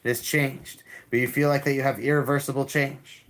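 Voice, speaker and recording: Guy doing tarot on a livestream, pretty flat even voice, calm, says things twice. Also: medium pitch, brisk. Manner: calm, repetitive, with many restarts. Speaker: tarot reader streamer. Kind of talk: live-stream tarot reading and chat.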